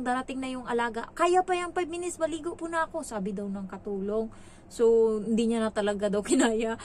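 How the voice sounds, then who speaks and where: A woman's voice: medium pitch, slight background noise. A woman from the Philippines, a domestic worker abroad, telling a story to her channel in a chatty, gossipy way, full of filler words. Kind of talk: casual vlog storytelling.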